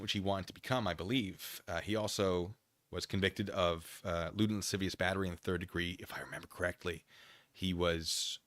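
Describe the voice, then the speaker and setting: A man with a slightly low but bright, forward voice hosts a livestream. He rambles casually through his commentary and drops in playful, self-deprecating asides as he talks to viewers. The sound is dry, with no room around it. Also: dry recording.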